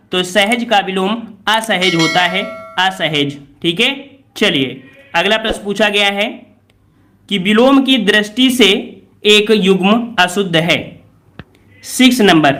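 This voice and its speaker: A man's voice: high-pitched, pushed and bright. A man teaching Hindi grammar in an online exam class, often repeating each answer back as a question. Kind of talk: online class going over a model paper.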